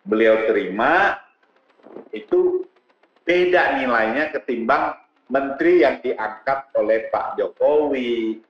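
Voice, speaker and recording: A man chatting as a talk show guest, animated and earnest, often addressing the host as "sir". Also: medium pitch, takes it slowly. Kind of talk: casual talk show conversation. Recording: roomy, dull studio sound.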